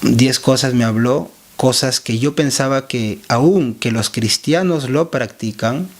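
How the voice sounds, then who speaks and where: Earnest evangelist, testimony style, halting delivery. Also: male voice, medium pitch. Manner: earnest, halting, with pauses and restarts. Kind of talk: spoken religious testimony.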